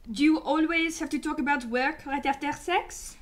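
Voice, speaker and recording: A woman's voice: high voice, fairly even intonation, moderate pace, close to an everyday voice. A woman playing a cheeky, scheming detective's assistant in a sci-fi radio drama, with a sarcastic, teasing manner. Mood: sly, teasing.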